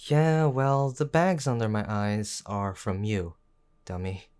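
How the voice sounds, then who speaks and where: A man playing a gruff but tender tsundere boyfriend in an intimate audio roleplay, speaking in a halting, earnest way. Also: on the low side, fairly even intonation, darkish tone. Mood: defensive, reassuring. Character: gruff young tsundere boyfriend, worried, stubborn, tender underneath.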